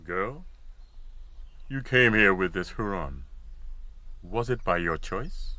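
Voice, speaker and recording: An actor playing a grave, fair-minded tribal elder in a radio drama, questioning in a formal, weighty manner. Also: male voice, sits low, expressive, takes it slowly, pushed and bright, dry recording, full character voice.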